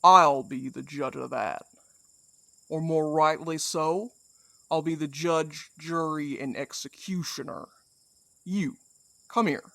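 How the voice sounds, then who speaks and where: Guy doing a folksy cowboy villain for an audio drama, slow drawl, fake polite but threatening, dry sound. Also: fairly high pitch, gravelly, a bit bright, no room sound, heavily acted. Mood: menacing. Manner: drawling, theatrical, mock-polite. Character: menacing folksy supernatural man, taunting, mock-courteous cowboy villain. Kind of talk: audio fiction drama acting.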